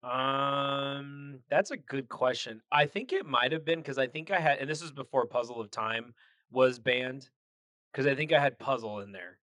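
A man's voice: mid-range voice, moderate pace, bright, forceful tone, no echo, studio quality. A man co-hosting a podcast in casual chat, joking and laughing often, with plenty of fillers and restarts. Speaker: podcast co-host.

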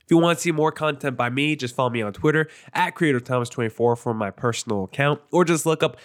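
A young man hosts a sports podcast, his voice nasal and clogged from allergies. He talks in a casual, brisk way, running through player stats and matchups. The sound is dry and close, with no room around it. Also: medium pitch, dry recording. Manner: brisk, self-promoting, stat-heavy. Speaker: podcast host.

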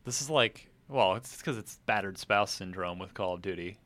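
A man with a bright, forceful voice at an average pitch hosts a relaxed podcast discussion. His manner is wry and jokey, dropping asides while he steers the talk. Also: moderate pace. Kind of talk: casual chat with joking asides.

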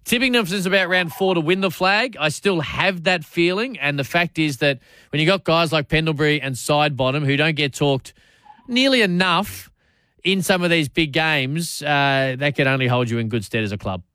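Casting: Australian male talkback host, bright forceful higher voice, chatty and matey, dry studio sound. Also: normal speed, clean tone, no room sound. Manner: matey, chatty, repeats phrase starts. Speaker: sports radio talkback host. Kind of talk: casual talkback commentary. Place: radio studio.

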